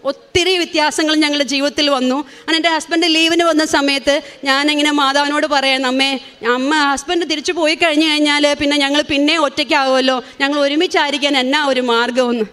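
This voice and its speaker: A woman's voice: sits high, steady tone, fast talker, pushed and bright. A woman in her forties with a Malayali accent, giving an earnest, emotional religious testimony. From India. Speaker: testimony speaker.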